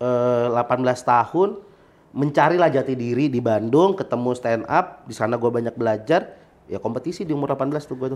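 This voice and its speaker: At a fairly quick pace, a man talks in an ordinary speaking voice with medium pitch and ordinary pitch variation. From Makassar, Indonesia, then Jakarta. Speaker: stand-up comedian. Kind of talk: casual interview chat.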